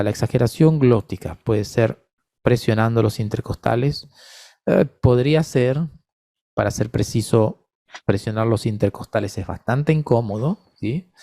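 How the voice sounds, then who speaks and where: Mellow-voiced man teaching speech therapy. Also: lowish voice, dry recording, studio quality. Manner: patient, explanatory, addresses attendees by name. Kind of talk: online mini-course answering questions.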